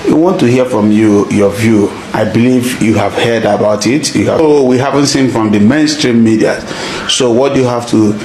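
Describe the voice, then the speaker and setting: A male interviewer with a low voice puts his questions in a measured, conversational tone. He is recorded in an echoey room with faint background noise. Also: steady tone, darkish tone.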